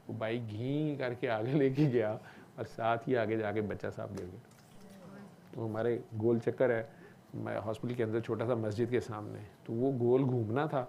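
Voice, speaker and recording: A man telling a long personal story in a relaxed, conversational way. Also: mid-range voice, creaky, slight background noise. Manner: relaxed conversational, often asks "okay?". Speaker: doctor. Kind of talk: casual storytelling talk.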